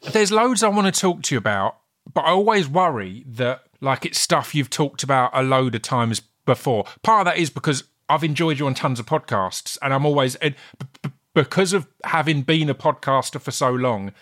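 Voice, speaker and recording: A man's voice: medium pitch, animated, moderate pace, fairly bright tone. A man hosting a podcast, friendly and enthusiastic, stumbling into a few restarts. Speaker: podcast host. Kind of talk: casual podcast chat.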